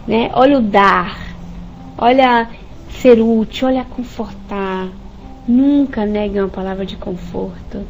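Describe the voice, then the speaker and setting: A woman's voice: medium pitch, slow, gravelly, lo-fi sound, slight background noise. A woman leading an informal religious study over an online voice chat, talking conversationally and often checking in with her listeners. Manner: warm conversational, frequent rhetorical "né?" checks. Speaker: spiritist study leader. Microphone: computer mic over online voice chat.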